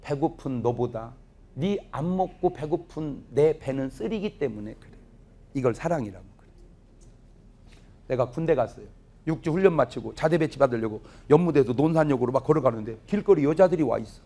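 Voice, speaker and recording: A man's voice: medium pitch, brisk. A middle-aged man, a pastor, preaching a revival sermon full of humorous family stories that he acts out in dialogue. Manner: lively storytelling, acting out family dialogue. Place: church revival meeting, audience laughing.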